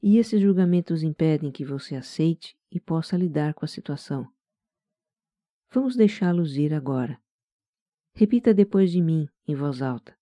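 A Brazilian-accented voice leads a guided meditation with a very dark, velvety tone. The delivery is gentle, calm and soft-spoken, like scripted relaxation narration. The sound is close and dry, with no room around it. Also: mid-range voice, moderate pace, no echo.

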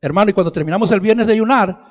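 High-voiced impassioned preacher in a hall. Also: male voice, very fast. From Mexico. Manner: impassioned, repeatedly addresses "hermano". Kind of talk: sermon testimony.

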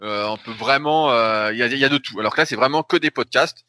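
A man's voice: medium pitch, fast talker, bright, forceful tone. A man hosting a podcast in casual chat, rambling with many fillers and loose slang. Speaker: podcast host.

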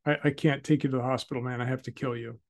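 A man's voice: medium pitch, fairly even intonation, quick pace, natural voice. A man voicing a panicky male ex-con gunman who repeats himself and keeps calling the other person man. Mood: grim.

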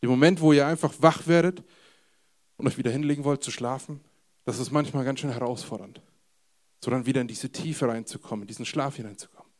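A man's voice: medium pitch, quick pace. A man preaching a casual sermon, retelling a Bible story in informal slang and speaking directly to his listeners. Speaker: youth pastor.

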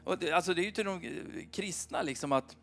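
A man in his forties preaching an informal, animated sermon at a church meeting, often asking his listeners "va?". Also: sits high, faint music behind. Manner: chatty, animated, keeps asking the crowd "va?".

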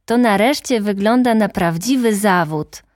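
A woman voicing a gentle, curious little boy prince in a storybook reading, asking earnest questions. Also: medium pitch, a little slow, no echo, studio quality, voice pushed up, close to an everyday voice.

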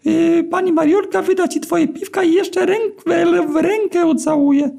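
A man voicing a squeaky, fawning magical male white eel that grants wishes, in a read-aloud story. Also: steady tone, unhurried, vocal fry, mellow, full character voice. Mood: obliging. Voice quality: squeaky, thin little voice. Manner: fawning, obliging. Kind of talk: storytelling character voice.

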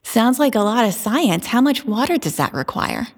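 Female interview host, clear and prepared. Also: on the high side, very animated, moderate pace. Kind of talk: scripted host questions.

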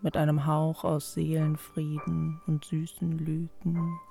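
A woman reciting poetry in a deliberate, measured way for an audio play. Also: deep voice, monotone, creaky, warm tone. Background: music under the voice.

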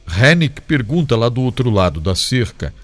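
A man giving an expressive, dramatic reading of a first-person memoir as a devotional reader, slowing for solemn moments. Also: mid-range voice, no room sound.

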